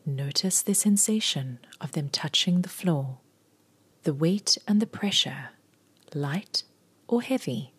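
A woman leading a scripted guided body scan meditation in a breathy near-whisper, giving soothing, unhurried instructions in short phrases. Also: low voice, lively intonation.

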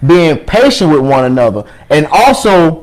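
A man co-hosting a casual chat, talking in an animated way, laughing often and repeating himself as he starts sentences over. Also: a little high, normal speed, low-quality recording. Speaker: co-host.

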